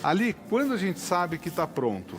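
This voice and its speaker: A man's voice: sits high, huge pitch swings, normal speed, slight background noise. A middle-aged man hosting a live TV cooking show, chatty and upbeat, talking straight to viewers. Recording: TV studio with background music.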